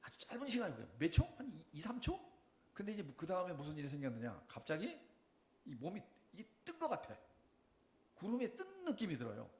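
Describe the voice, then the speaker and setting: A middle-aged man giving a sermon testimony, telling his story with lively questions to the congregation. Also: sits high, brisk. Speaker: preacher. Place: church. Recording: echoey church room.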